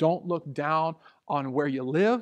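Speaking in a plain, everyday voice, a man keeps a fairly high pitch and ordinary pitch variation. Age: 30s. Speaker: pastor. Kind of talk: sermon. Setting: church. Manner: casual, conversational with fillers.

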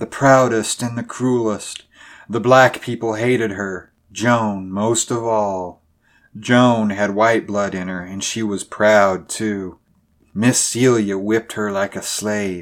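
In a put-on character voice, a man mumbles at a fairly slow pace with a fairly low pitch, on a very clean recording with a silent background. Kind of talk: horror audiobook reading. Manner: mumbling, drifting, fearful.

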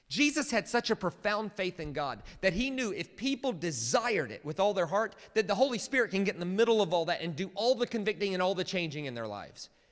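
A man with an American accent and a high pitch speaks at a very fast pace, hardly pausing, with very wide pitch swings. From United States. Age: 40s. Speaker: guest preacher. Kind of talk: sermon. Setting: church.

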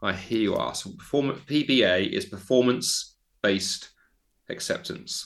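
A man speaks with a London accent and lively intonation. He goes at a fairly slow pace. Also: medium pitch for a man. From London, England. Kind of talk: casual interview conversation.

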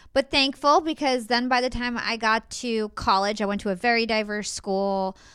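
In a very clean recording with a silent background, a woman with a fairly high pitch and ordinary pitch variation speaks at a moderate pace with hardly any pauses, in an unremarkable speaking voice. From US, Central New Jersey. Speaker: podcast host and media entrepreneur. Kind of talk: interview conversation.

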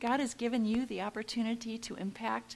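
Somewhat breathy, a woman with an American accent speaks at a fairly high pitch. Her pace is moderate and her intonation fairly even. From Michigan, US Midwest. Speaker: missionary. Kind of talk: sermon.

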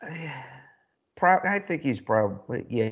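Somewhat breathy, a man with an American accent swings his pitch very widely. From Upstate New York (Utica). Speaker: podcast co-host, military veteran. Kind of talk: casual chat.

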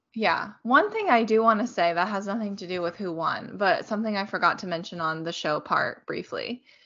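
A woman in an ordinary speaking voice talks at a fairly quick pace with hardly any pauses, at medium pitch with ordinary pitch variation and big swings in loudness. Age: 20s. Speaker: podcast co-host. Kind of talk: casual chat.

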